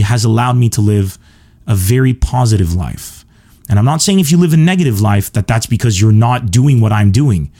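A man's voice: medium pitch, a little mellow. A man from Lebanon hosting a solo podcast, a stand-up comedian who talks in an earnest, emphatic, self-assured way. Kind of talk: solo podcast monologue answering listener questions.

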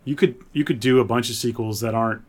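Male podcast host, mid-pitched voice, informal conversational delivery on pop culture. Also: fast. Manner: reads out listener suggestions and reacts. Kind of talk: casual chat about games and films.

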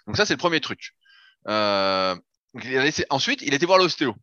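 A fitness coach chats casually on a podcast, explaining his method step by step and dropping the odd swear word. His mid-range voice swings widely in pitch, fairly quick, bright and forceful, on a dull lo-fi recording with no echo.

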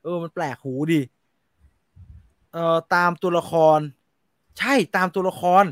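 Male film-show host, high voice, animated and blunt, dry sound. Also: normal speed, dry recording. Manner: animated, slangy and blunt, reads viewer comments. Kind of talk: casual film review chat.

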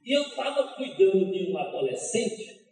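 A middle-aged man preaching a sermon, telling family stories with emphatic swings in loudness. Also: sits high, very animated, normal speed, gravelly. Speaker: pastor. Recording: echoey church hall from far off.

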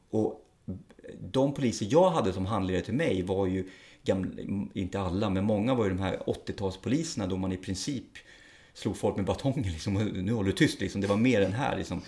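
A man's voice: lowish voice, mellow. A middle-aged man, a police officer, speaking frankly and plainly in an interview, with some swearing. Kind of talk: interview conversation.

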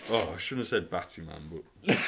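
A man hosting a comedy podcast, joking and laughing as he talks. His voice is bright and lively, rising and falling a lot, and he speaks at an unhurried pace. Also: low-pitched, vocal fry, a little hiss or hum. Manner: laughing, jokey, swears freely. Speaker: podcast host.

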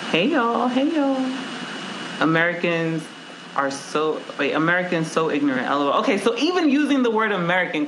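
A woman's voice: sits low, a bit bright. Woman, from Honduras, co-host, frank, storytelling, echoey room. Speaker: co-host reading viewer comments. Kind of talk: casual chat. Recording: roomy echo, faint noise.

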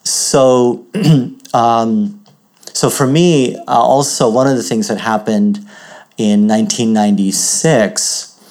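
A man from Uganda giving a thoughtful, measured spiritual talk, often pausing to find his words. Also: medium pitch, steady tone, darkish tone.

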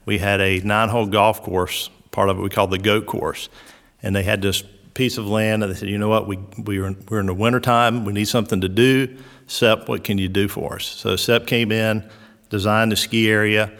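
Southern guy, middle aged, lowish voice, talks slow with lots of uh's, reverby sound. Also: steady tone, a bit bright. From South Georgia, US. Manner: unhurried, lots of "uh" and "um" fillers. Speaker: resort recreation director. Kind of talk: relaxed interview answers.

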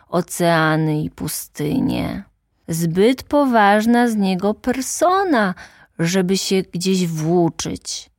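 A woman voicing a pompous older male geographer who lectures slowly and with self-importance. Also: fairly low pitch, darkish tone, no echo, clean studio sound.

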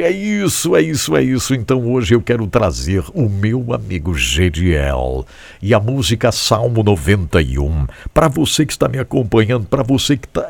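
A man with a Brazilian Portuguese accent hosting a Christian radio show. He encourages his listeners in an animated way and often repeats his phrases. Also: fairly low pitch, gravelly. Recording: music playing behind the voice.

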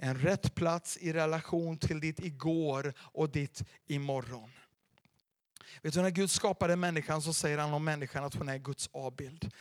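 A middle-aged man preaching a sermon as pastor, lively and dramatic, swinging between loud and soft. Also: a little high, dry recording, studio quality. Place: church.

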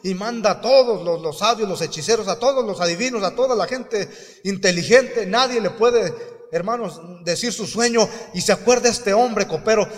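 A man's voice: high-pitched, normal speed. A man preaching a sermon in a church, telling a story and acting out the quotes, calling out to the brethren again and again. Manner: storytelling with acted quotes, repeats "hermanos" often. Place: church hall. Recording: long echo of a hall.

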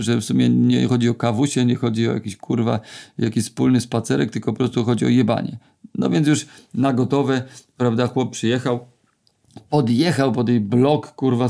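Gravelly, dark-voiced man telling rambling stories. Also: medium pitch. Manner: rambling, swears constantly, many fillers and restarts. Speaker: storyteller. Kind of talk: casual spoken anecdotes.

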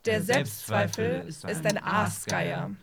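A woman declaiming a literary audio play text in a deliberate, emphatic way. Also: mid-range voice, wildly swooping pitch, vocal fry, a loud crowd.

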